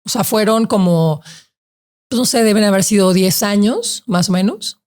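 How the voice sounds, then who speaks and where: A woman in her forties with a Mexican accent, speaking at a middle pitch. She tells a story as a podcast guest in lively, slangy talk. Her speech is full of fillers and quick asides. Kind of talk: emotional storytelling.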